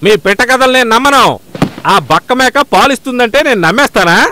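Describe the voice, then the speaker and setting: A man voicing an indignant, stubborn, suspicious villager in a dubbed cartoon, confrontational and demanding, with a shrill voice. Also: fast, pushed and bright, a little hiss or hum. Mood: angry demanding.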